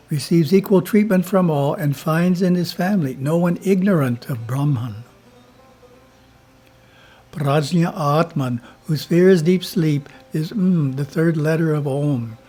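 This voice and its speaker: A spiritual teacher reads his own editorial slowly and deliberately, chanting Om between passages. His voice is fairly high and mellow with a breathy edge.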